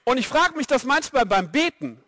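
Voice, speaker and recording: A young man preaching a sermon, lively and speaking straight to his audience. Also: very high voice, normal speed, no room sound. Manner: lively, direct address to the audience.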